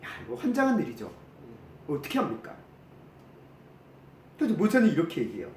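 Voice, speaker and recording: A man preaching a sermon as pastor, animated, acting out the quoted complaints. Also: fairly high pitch, brisk, roomy sound, a little hiss or hum. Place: church sanctuary.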